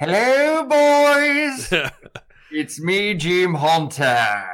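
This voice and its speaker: Putting on a character voice in an English accent, a man speaks very slowly in a high pitch with very wide pitch swings. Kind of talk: foppish.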